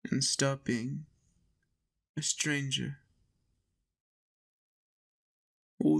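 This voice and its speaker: Slow, doting vampire lord, played by a man. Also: mid-range voice, darkish tone, no room sound, clean studio sound. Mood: wistful, coaxing. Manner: soothing, unhurried, lapses into whispers and chuckles. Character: lonely, doting male vampire lord, playful and coaxing. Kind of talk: intimate roleplay monologue to the listener.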